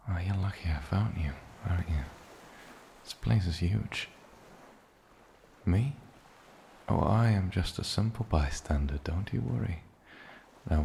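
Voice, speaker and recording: A man playing an eccentric, lonely, ancient island demon in a soft-spoken fantasy ASMR roleplay, with a gravelly low voice and musing, polite pauses. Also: slight background noise. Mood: coaxing, calm, then sly, teasing.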